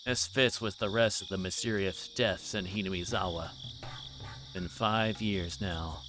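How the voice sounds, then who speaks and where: Low-voiced dogged older detective acted by a man. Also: steady tone, measured pace, background noise. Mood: grim, determined. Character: dogged older male police detective nearing retirement.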